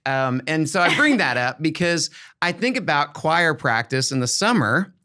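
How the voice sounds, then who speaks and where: A man's voice: on the high side, lively intonation, normal speed, sharp tone. A middle-aged American man hosting a podcast in a conversational style, explaining things in an upbeat, emphatic way. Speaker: podcast host, former school principal. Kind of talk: conversational educational podcast talk.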